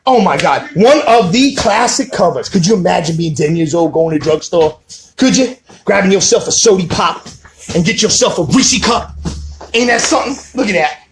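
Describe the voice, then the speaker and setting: A man doing a loud, boisterous comedic sales pitch as a mock shopping channel host. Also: moderate pace, over music. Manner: loud, boisterous, hyped, shouting. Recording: echoey room with loud background noise.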